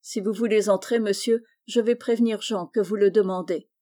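A woman reading the part of a polite male concierge in a storybook, courteous and measured. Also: medium pitch, fairly even intonation, dark tone, lightly acted.

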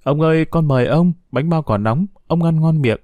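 A small boy torn apart by grief, crying out and begging in a high, strained voice, played by a man narrating a story. The tone is dark and mellow, close and dry. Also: normal speed, dry recording, lightly acted. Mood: gentle. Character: young grieving boy, Đức.

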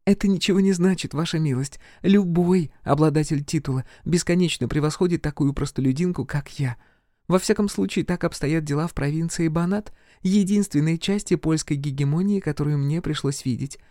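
A man's voice: fairly high pitch, brisk, dark tone, no room sound, clean studio sound, pitched above the performer's own voice, close to an everyday voice. A male reader voicing a shy, polite young common-born girl, humble and respectful.

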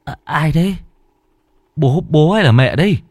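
A man voicing a panicky young man who stammers and wails in a high, breathless voice in a ghost story. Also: expressive, measured pace, darkish tone, no echo, clean studio sound. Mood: terrified. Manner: stammering, shrill wailing.

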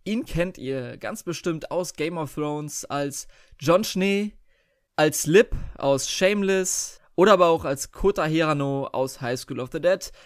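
A man's voice: fairly high pitch, a little slow, smooth, no room sound, clean studio sound. A man hosting an interview, introducing his guest and asking questions. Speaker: interview host. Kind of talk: interview presenting.

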